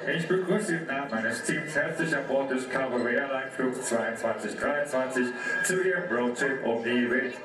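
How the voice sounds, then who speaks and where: A man playing a joking airline captain who makes a formal cabin announcement over a loudspeaker at a carnival show. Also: mid-range voice, normal speed. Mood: mock formal. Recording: echoey hall from far off, crowd behind.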